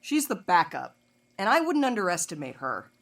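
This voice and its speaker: An actress playing a tough, sharp-tempered woman in an audio drama, with a dry, no-nonsense manner. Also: lowish voice, sing-song, moderate pace, full character voice. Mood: wry. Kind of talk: scripted audio drama acting.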